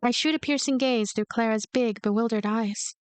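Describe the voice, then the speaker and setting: A woman's voice: on the high side, normal speed, smooth, soft background music, lightly acted. A woman voicing a lonely, cynical, manipulative girl who narrates a visual novel in a detached, coaxing way. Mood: cold, matter-of-fact.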